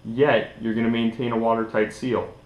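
A man's voice: mid-range voice, flat delivery, normal speed. A young man giving a casual, informal hands-on tutorial, sitting at a table indoors. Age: young adult. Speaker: DIY tutorial host. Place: small indoor room at a table. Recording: echoey room.

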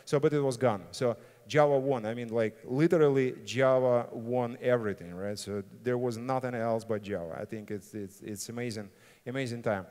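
A middle-aged man who speaks English as a second language presents at a tech conference. His voice sits at an average male pitch, and his delivery is informal and blunt, with frequent tag questions. The long reverb of a large hall surrounds him. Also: steady tone, normal speed, hardly any pauses, darkish tone. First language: not English. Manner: blunt, informal, often tagging sentences with "right?". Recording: reverberant hall sound system.

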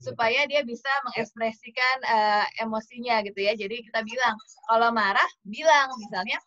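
Bright woman explaining child development. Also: a little high. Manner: measured, explains with lists of examples. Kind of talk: explaining to parents. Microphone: video call. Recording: dull video-call audio.

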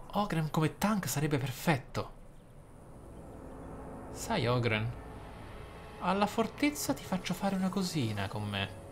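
Against a noisy background of game music, a male gaming video host with a fairly high-pitched voice gives casual, theatrical commentary on his play, full of exclamations and elaborate wording.

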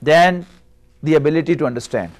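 Recorded close on a lapel mic in a small classroom, a middle-aged man whose first language is Urdu teaches Arabic. His lecture on language structure is patient and steady in a distinctly high voice, broken by frequent rhetorical questions to the class.

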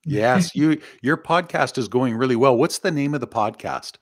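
A man's voice: mid-range voice, expressive, normal speed, no room sound, clean studio sound. An older man hosting a podcast over a video call from his home office, chatty and upbeat, laughing easily. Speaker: podcast host. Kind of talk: casual podcast chat. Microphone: studio mic on arm, video call.

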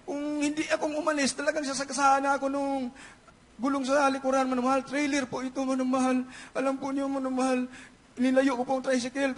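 Fervent high-pitched man giving testimony. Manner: fervent, repeated hallelujahs and frequent shouting. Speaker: church member giving testimony. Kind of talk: church testimony. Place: large church hall.

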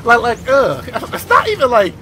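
A young man with a lisp giving casual let's play commentary, excitable and swearing a lot. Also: extremely high pitch, moderate pace, a little hiss or hum. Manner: excitable, swears constantly, self-deprecating. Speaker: gaming video host.

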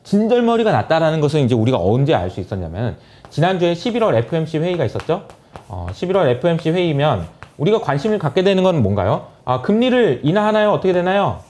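A man's voice: a little high, fast talker. A man giving an explanatory talk on markets as an investment lecturer, telling it as a story and acting out what people said. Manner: animated storytelling, acting out quotes.

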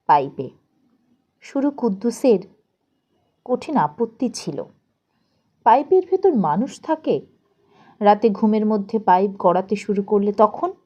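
A woman narrates literary fiction in a fairly high, soft-toned voice. Her pitch moves expressively across each phrase. She takes her time, reading slowly like an audiobook storyteller. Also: big pitch swings.

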